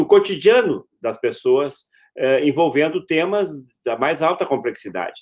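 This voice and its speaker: Over a quiet background, a man with a high pitch speaks fairly slowly with lively intonation. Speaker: judge moderating a legal workshop. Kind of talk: panel discussion moderation. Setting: video call. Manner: formal, hesitant with many fillers. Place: home room. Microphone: webcam.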